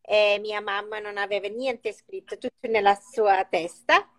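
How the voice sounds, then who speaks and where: A woman who grew up in the United States, speaking halting Italian with an American English accent as an interview guest, searching for words and slipping into English. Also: medium pitch, steady tone, fairly bright tone. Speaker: guest, chef and cookbook author.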